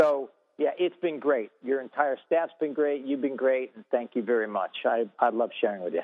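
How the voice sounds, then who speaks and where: A man at a medium pitch uses a plain, everyday voice, his pitch moving in an ordinary way. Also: moderate pace. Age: 60s. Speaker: weight-loss program client. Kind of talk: radio interview testimony.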